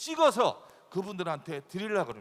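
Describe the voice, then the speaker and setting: A man speaks in a high voice. His pitch swings very widely. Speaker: comedian and singer contest finalist. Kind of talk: contest presentation Q&A.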